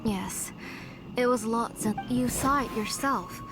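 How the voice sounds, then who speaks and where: A woman voicing a frail but determined, devoted mother in a video game, speaking in an earnest, measured way. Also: on the high side, loud music behind the voice, poor audio.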